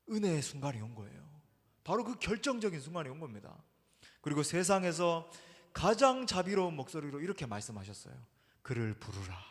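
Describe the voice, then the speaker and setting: Animated high-voiced male pastor preaching. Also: big-room sound. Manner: emphatic, addresses the congregation often. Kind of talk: sermon. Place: church sanctuary.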